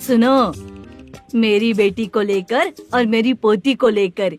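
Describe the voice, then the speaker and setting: A woman's voice: a little high, slow pace, darkish tone, faint music behind. A coaxing older mother-in-law. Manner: coaxing, wheedling. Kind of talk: Hindi film dubbing.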